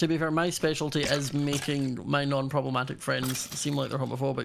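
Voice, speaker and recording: A man in a Scottish accent, at a very fast pace and fairly high pitch, flat and monotone, with noticeable background noise. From Scotland. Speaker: gamer on a shared server. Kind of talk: casual gaming chat.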